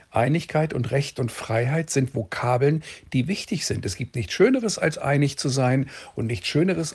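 A man speaks as a guest on a political talk show with a slightly husky voice. He sounds indignant and presses his points hard. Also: medium pitch, a little mellow. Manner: indignant, emphatic.

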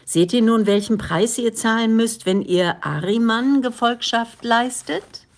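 A woman's voice: on the high side, measured pace, voice pushed up. A woman reading the part of an earnest male prophet who speaks in a solemn, preaching way. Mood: urging.

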